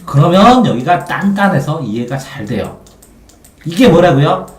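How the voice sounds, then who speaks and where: A man's voice: fairly high pitch, sing-song, a little slow. A man teaching a reading method, who asks questions and answers them himself in a repetitive, drilling way. The sound is roomy, from a mic at a distance.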